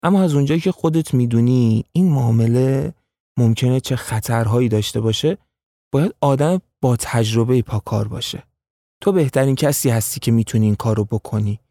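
Man playing a scheming tribal chief, calm, calculating, mellow tone, dry sound. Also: mid-range voice, no echo, natural voice.

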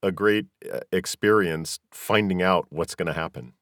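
A man's voice: sits low, normal speed, a bit bright, no room sound, studio quality. A man hosting a podcast in a conversational interview style. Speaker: podcast host.

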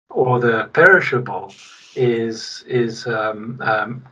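Husky South African man, distant muffled mic. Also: mid-range voice. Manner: emphatic, repeats key points for weight. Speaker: podcast guest, logistics technology executive. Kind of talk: conversational interview answers.

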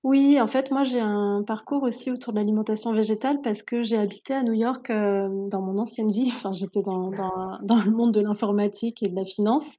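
A woman's voice: medium pitch, fairly even intonation, brisk, hardly any pauses, lo-fi sound. A woman from France, an Ayurvedic therapist, talking casually as a guest in an interview, with frequent laughs and many hesitations. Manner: laughs often, many fillers and restarts.

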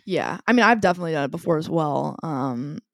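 A woman's voice: low-pitched, animated, fast, vocal fry, no echo, studio quality. A woman co-hosting a podcast in casual chat, chatty and laughing often, with plenty of fillers. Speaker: podcast co-host.

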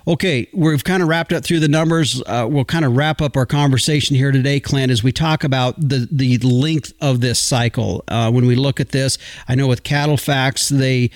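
A man's voice: mid-range voice, fairly even intonation, normal speed, hardly any pauses, no room sound, studio quality. A man hosting a radio show in a conversational, folksy and informal way.

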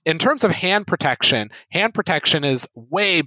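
A man fencing instructor, a podcast guest, explaining in an earnest, steady way with a few small restarts. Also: fairly high pitch, moderate pace, dry recording, poor audio. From United States. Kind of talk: casual podcast interview.

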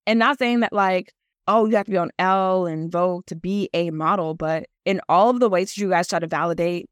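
A woman's voice: lowish voice, brisk, no room sound, studio quality. A woman with a nasal voice and a chatty manner, teaching a casual solo podcast class as host and model coach, with many fillers.

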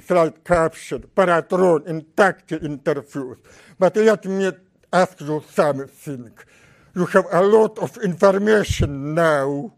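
A man with a strong Russian accent giving a conference talk as a research scientist, speaking slowly in halting, deliberate phrases. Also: sits high, gravelly. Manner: slow, deliberate, halting speech.

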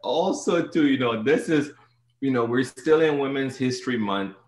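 A man's voice: medium pitch, expressive, moderate pace, a little mellow, a little hiss or hum. A man with a Guyanese accent hosting a podcast interview, chatty and eager as he asks his questions. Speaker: podcast host. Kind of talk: casual interview chat. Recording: echoey room with faint music.

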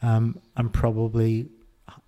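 During a candid personal interview, a middle-aged Irish man speaks as the guest in a low-key, mellow voice, his delivery completely flat. He talks haltingly and reflectively, restarting sentences and filling pauses with ums, and the recording's highs are cut off.

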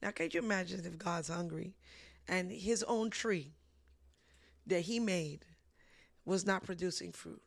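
A woman hosting a casual faith discussion, telling stories with lively animation and frequent laughs. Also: fairly low pitch, unhurried, creaky, pauses often, dry recording, studio quality. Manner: animated storytelling, laughs often. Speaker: ministry host.

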